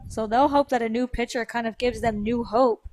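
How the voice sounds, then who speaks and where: A woman with a distinctly high voice co-commentates on a live baseball game. She talks through the play and the players in a conversational style. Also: fairly even intonation, normal speed, darkish tone, no echo. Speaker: sports co-commentator.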